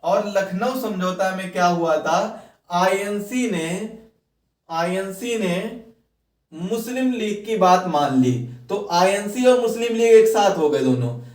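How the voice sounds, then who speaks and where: A man's voice: sits high, unhurried, a little mellow. A man teaching an exam-prep history class, lecturing with rhetorical questions and repeating key phrases for note-taking. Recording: roomy echo, distant microphone.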